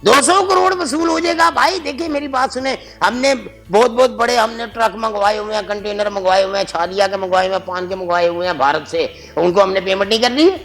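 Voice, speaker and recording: An actor playing a boastful old paan-shop owner of Lucknow stock, rambling and comically evasive on a comedy talk show. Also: male voice, sits high, hardly any pauses, fairly bright tone. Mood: boasting. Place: TV studio.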